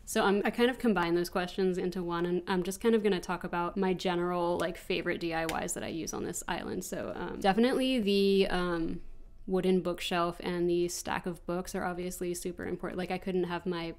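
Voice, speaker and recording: A woman in her twenties with an American accent, stuffy from allergies, chatting casually as she answers viewer questions over gameplay. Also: on the low side. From United States. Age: 20s. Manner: chatty, rambling, frequent ums and restarts. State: congested from allergies. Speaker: gaming channel host.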